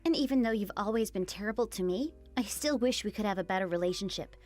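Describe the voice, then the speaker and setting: A woman's voice: mid-range voice, fast talker, a little mellow, faint music behind, lightly acted. Woman voicing a pleading young wife. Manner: earnest, pleading. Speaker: daughter-in-law. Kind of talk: animated story voice acting.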